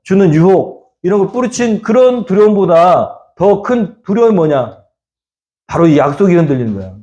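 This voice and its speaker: A man's voice: sits high, big pitch swings, moderate pace, dark tone, highs cut off. A middle-aged male pastor giving a Sunday sermon in a conversational way, often putting questions to the congregation.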